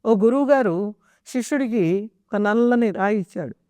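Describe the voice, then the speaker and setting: Woman devotional speaker, unhurried storyteller, smooth resonant voice, dry close sound. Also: mid-range voice, expressive, dark tone, no echo. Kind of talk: religious discourse with storytelling.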